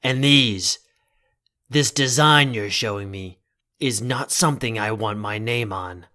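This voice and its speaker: A man playing a stern, protective young CEO in an audio drama, speaking formally and deliberately with a commanding manner. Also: fairly low pitch, bright, forceful tone. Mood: firm, dismissive.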